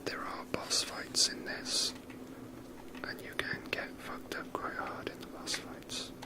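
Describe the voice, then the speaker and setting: Someone whispering a casual, rambling, unhurried commentary while playing a video game, in a soft breathy ASMR style. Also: poor audio.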